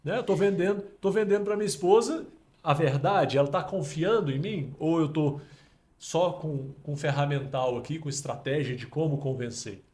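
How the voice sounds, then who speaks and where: A Brazilian man hosting a casual podcast, explaining with emphatic metaphors in an animated way. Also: a little high, moderate pace. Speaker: podcast host.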